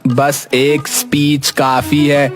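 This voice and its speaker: A man voicing a boastful, smooth-talking young schemer in a cartoon, with a salesman-like pitch. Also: level tone, drawn-out words, music in the background. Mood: smug. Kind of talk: cartoon voice acting.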